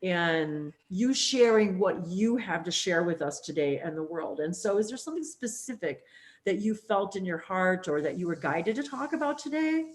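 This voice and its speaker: A woman hosting a spiritual interview, talking in a rambling, animated way with plenty of fillers. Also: fairly low pitch, normal speed. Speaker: host. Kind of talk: casual spiritual interview chat.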